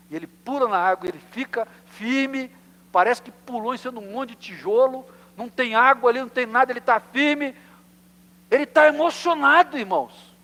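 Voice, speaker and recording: A man from Brazil preaching a sermon as pastor, animated and storytelling, acting out quoted voices. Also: very high voice, long reverb tail. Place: church.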